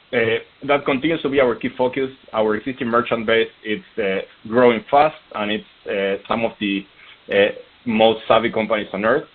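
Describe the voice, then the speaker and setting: A man's voice: fairly low pitch, breathy edge. A man answering questions as a company executive on an earnings call, explaining points and posing rhetorical questions. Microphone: conference call line. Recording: narrow, tinny phone-line sound.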